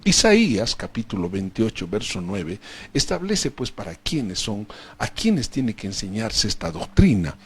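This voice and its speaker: A man teaching a discipleship Bible lesson, reading scripture slowly with emphasis and dropping in tag questions to his listeners. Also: on the low side, very animated, husky.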